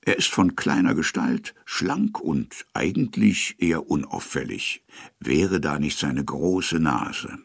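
A man playing a wry, expressive storyteller who narrates an audio drama. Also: takes it slowly, no echo, clean studio sound, exaggerated voice. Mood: wry, measured. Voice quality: gravelly, very deep. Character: leisurely male storybook narrator with wry touches.

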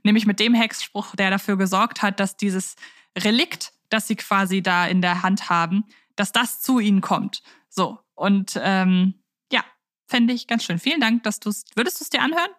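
A woman's voice: mid-range voice, moderate pace, fairly bright tone, no room sound, clean studio sound. A woman hosting a casual fan podcast, talking in an enthusiastic, chatty way. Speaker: podcast host.

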